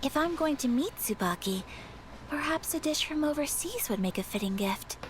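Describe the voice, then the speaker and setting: A gentle, polite noble girl. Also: high voice, animated, moderate pace, background noise. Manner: soft-spoken, formal, apologetic. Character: young noble lady, polite and composed. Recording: game audio with music behind.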